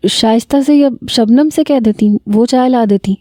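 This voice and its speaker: A nervous, stammering young man, as read by a woman storyteller. The voice is very dark and warm, close and dry. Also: on the high side, dry recording, close to an everyday voice. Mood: flustered.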